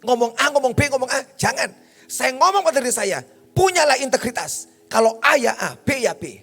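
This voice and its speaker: A man's voice: very high voice, sing-song, normal speed, a bit bright, slightly rough. A male pastor from Makassar preaching a sermon in a blunt, emphatic way, often calling out to the congregation. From Makassar, Indonesia.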